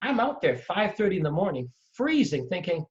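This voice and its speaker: A middle-aged man from Trinidad and Tobago tells his story with lively emphasis. His voice sits a little high for a man. The audio is dull and lo-fi, as if the top end is gone. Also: fairly quick. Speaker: real estate investor guest. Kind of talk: storytelling in conversation.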